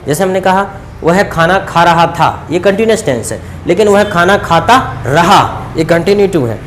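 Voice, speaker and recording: A man with an Indian accent teaching English grammar to a class, repeating example sentences and stretching out the English ones very slowly, with chatty asides to his students. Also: high-pitched, expressive, fairly bright tone, slight background noise.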